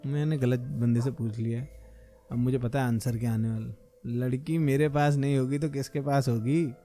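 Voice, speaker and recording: A man hosting a casual Minecraft role-play video, talking with energetic, slangy banter and teasing insults. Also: medium pitch, moderate pace, soft background music. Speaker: gaming YouTuber host.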